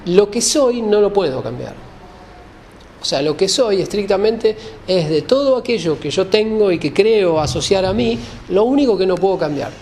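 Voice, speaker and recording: High-pitched, creaky-voiced man lecturing. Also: lively intonation, moderate pace, darkish tone, a little hiss or hum. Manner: didactic, rephrases and checks understanding. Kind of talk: explanatory lecture to an audience.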